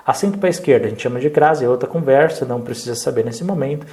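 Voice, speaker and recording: A man with a Brazilian Portuguese accent teaching a review lesson at a middle pitch. He explains each point step by step and keeps checking in with his listeners through short tag questions. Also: fast talker, mellow.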